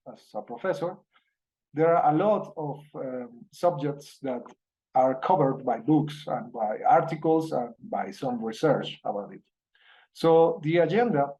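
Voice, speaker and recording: Colombian man lecturing haltingly. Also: on the high side, dark tone, poor audio. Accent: Colombian Spanish. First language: Spanish. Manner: halting, many fillers and restarts. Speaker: university professor. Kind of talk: online masterclass lecture.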